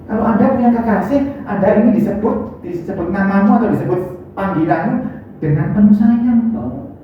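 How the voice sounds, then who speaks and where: Animated preacher with a lilt. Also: medium pitch, brisk, a little hiss or hum. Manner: animated, rhetorical questions, acts out dialogue. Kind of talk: sermon. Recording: echoey hall, distant dull mic.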